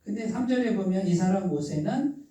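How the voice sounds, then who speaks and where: A man's voice: sits high, lively intonation, normal speed, dark tone. A man pastor preaching a sermon, often asking his congregation questions and waiting for their replies. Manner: asks the congregation questions and waits for answers. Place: church sanctuary. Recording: very echoey room, voice far from the mic.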